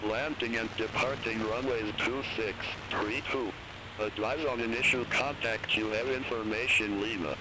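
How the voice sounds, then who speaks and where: A man's voice: medium pitch, moderate pace, very noisy. Synthetic male voice reading an automated airport weather broadcast. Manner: even, clipped readout of numbers and letters. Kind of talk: flat recited weather and runway report.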